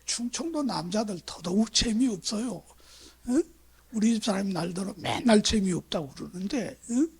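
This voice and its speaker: A man's voice: sits high, animated, moderate pace, slightly rough. A man from Chungcheong preaching a sermon as pastor, talking in a conversational, storytelling way and putting rhetorical questions to his congregation. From Chungcheong, South Korea. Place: church sanctuary.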